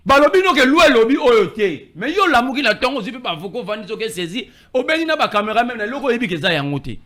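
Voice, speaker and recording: Animated Congolese man arguing politics. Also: extremely high pitch, quick pace. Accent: Congolese French. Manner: emphatic, code-switching, argumentative. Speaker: political commentator. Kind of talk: animated street political debate.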